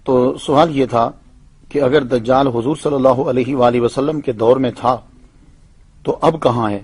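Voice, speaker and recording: A man who is an Islamic scholar, calling into a radio show over a phone line and giving a measured religious lecture. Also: mid-range voice, steady tone, a little mellow, husky. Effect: heard over a phone line into a radio show.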